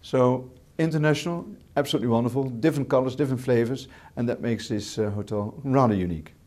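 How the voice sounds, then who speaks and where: A man with a Dutch accent, a hotel manager answering interview questions in English as a second language, measured, with repeated words and fillers. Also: mid-range voice, a little mellow. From Netherlands.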